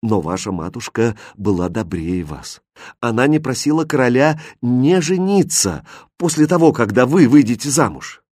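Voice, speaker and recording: A man's voice: medium pitch, very animated, moderate pace, a little mellow, no room sound, clean studio sound. A man voicing a passionate young king in an audiobook fairy tale, with earnest, impassioned delivery. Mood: reproachful.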